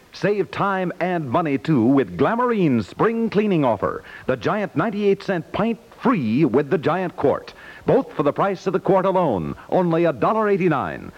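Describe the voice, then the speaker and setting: Animated 1950s American radio announcer man. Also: fairly high pitch. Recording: dull 1950s radio recording.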